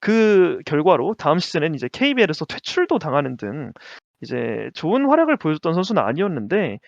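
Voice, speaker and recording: A man co-hosting a casual basketball talk show, lively and quick to laugh, sometimes stumbling over names. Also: a little high, no room sound, muffled recording. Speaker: podcast co-host.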